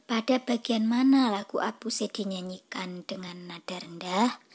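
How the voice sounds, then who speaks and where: A woman reading a schoolbook lesson aloud to children, patient and soft, half-whispering. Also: mid-range voice. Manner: slow, patient, addresses children directly. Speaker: teacher.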